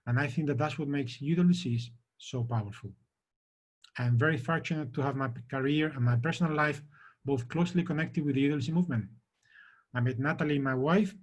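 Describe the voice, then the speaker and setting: Husky-voiced man giving a welcome address. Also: medium pitch. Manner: measured, earnest speech. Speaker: head of the college.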